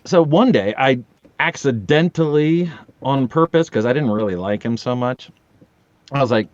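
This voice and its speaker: A man's voice: mid-range voice, expressive, moderate pace, no echo. Dull-sounding American man telling joking stories. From Maryland, USA. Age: 50s. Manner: joking, rambling, profane. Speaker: podcast guest, voice actor. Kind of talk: comic storytelling in a casual chat.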